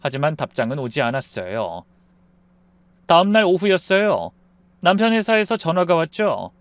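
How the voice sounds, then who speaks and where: A man narrating a first-person story in a lively, confiding, emotional way. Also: fairly high pitch, moderate pace, no room sound.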